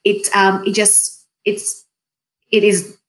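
Reflective woman, measured and thoughtful. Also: medium pitch, low-quality recording. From Kenya. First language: Swahili. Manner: thoughtful, steady, with frequent pauses and restarts. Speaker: guest, diversity and inclusion practitioner. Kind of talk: reflective conversational storytelling.

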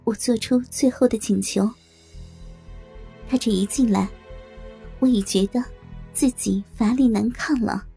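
Woman, first-person story narration, higher voice, breathy, halting, stammering. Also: dark tone, faint music behind.

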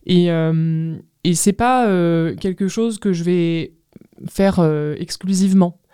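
A woman's voice: lowish voice, takes it slowly, mellow, clean tone, no echo, clean studio sound. A woman in her thirties answering casually as an interview guest, hesitant and often searching for words. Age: 30s. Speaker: guest artist, ceramicist.

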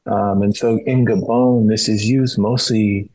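A man giving explanatory answers as a podcast guest, in a measured, reflective way with pauses. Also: fairly low pitch, fairly even intonation, dark tone, low-quality recording. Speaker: podcast guest, retreat practitioner. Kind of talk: explanatory interview talk.

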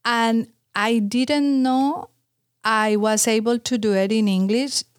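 A middle-aged woman from Colombia speaks English with a clear Spanish accent. Her voice sits on the higher side, recorded close and dry with no room sound. She talks earnestly and laughs at herself now and then. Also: fairly even intonation, slow, no echo. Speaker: guest, communications coach. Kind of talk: conversational interview.

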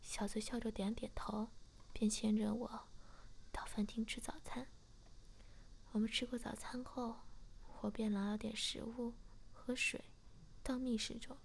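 A woman narrating a story in a steady, hushed whisper. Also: fairly high pitch, unhurried, gravelly, pauses often, slight background noise.

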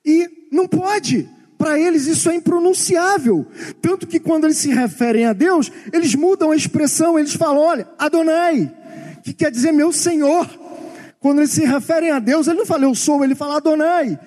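A man teaches scripture in a sermon, his voice unusually high yet dark and mellow. He explains patiently, circling back to repeat key phrases and posing rhetorical questions. A long reverb from a large hall trails his words. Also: fairly quick. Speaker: preacher.

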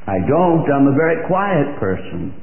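Older male preacher, slow emphatic delivery, lively pitch, tinny old hall recording. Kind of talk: sermon.

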